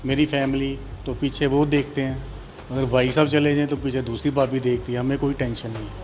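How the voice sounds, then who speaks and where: A man's voice: medium pitch, flat delivery, fairly quick, a little mellow, soft background music. A middle-aged man, a shop-owner guest who chats casually and tells stories in a jovial way. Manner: chatty, jovial storyteller. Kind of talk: casual interview chat.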